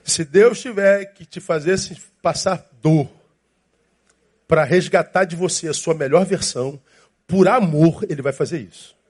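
Um pastor com sotaque brasileiro pregando um sermão de jeito coloquial e vivo, encenando situações. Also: male voice, on the high side, unhurried, slightly rough. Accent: Brazilian Portuguese. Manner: lively, acts out scenes, colloquial. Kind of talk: sermon.

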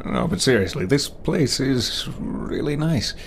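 An actor playing a dazed, wistful fantasy adventurer, speaking hesitantly in a horror audio drama. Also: male voice, mid-range voice, very animated, a little slow, vocal fry, slight background noise. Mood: puzzled, wry. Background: music.

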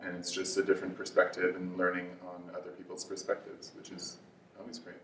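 A man's voice: low voice, completely flat delivery, a little fast, fairly bright tone, reverberant, recorded from a distance, slight background noise, rough recording. A man in his late twenties on a panel, speaking frankly and rambling with lots of "like". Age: 20s. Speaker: panelist, artist. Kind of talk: casual panel discussion.

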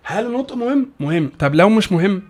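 A man with an Egyptian Arabic accent, a guest teaching English pronunciation in a casual podcast talk, animated and full of restarts. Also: high voice, soft background music. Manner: animated, fast, many restarts and repeated words.

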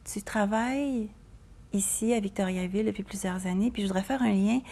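Brief: woman interviewer, mellow tone, friendly and prompting. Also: mid-range voice, fairly quick, creaky. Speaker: community TV host. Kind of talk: interview host. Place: community TV studio.

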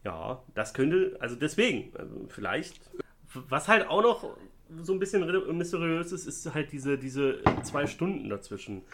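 A man's voice: a little high, sing-song, normal speed, fairly bright tone. Joking man in a casual podcast chat. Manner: joking, speculative, rambling. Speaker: podcast co-host. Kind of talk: casual chat about a crime case.

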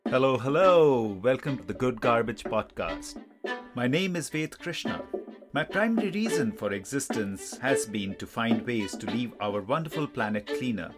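A man's voice: medium pitch, expressive, normal speed, over music. A man hosting a podcast, reading an upbeat introduction and then asking enthusiastic interview questions. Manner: warm greeting, upbeat and enthusiastic. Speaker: podcast host.

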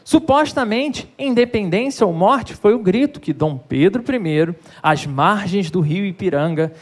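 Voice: mid-range voice, a little mellow. A preacher with a Brazilian accent delivering a sermon, speaking emphatically with dramatic rises and falls and addressing both the congregation and listeners at home. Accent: Brazilian Portuguese.

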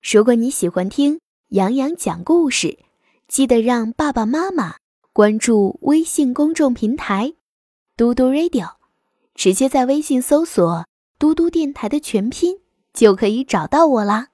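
A woman's voice: fairly high pitch, animated, a little slow, warm tone, no echo, studio quality. A woman hosting a children's show, telling a fireside bedtime story expressively and speaking directly to young listeners.

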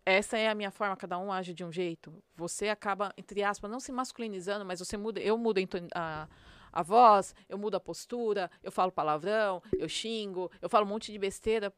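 São paulo policewoman, blunt and slangy, smooth clear voice, dry sound. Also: mid-range voice, fairly quick, dry recording. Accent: São Paulo Portuguese. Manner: blunt, slangy, acts out street commands. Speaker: police sergeant guest. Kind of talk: casual podcast interview.

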